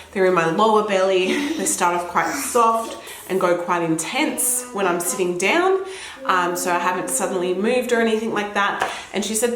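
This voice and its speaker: A woman's voice: mid-range voice, a bit bright, slight background noise. A young Australian woman chatting casually to camera at home, a little throaty from a cold, rambling and laughing often. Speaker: vlogger. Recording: echoey room.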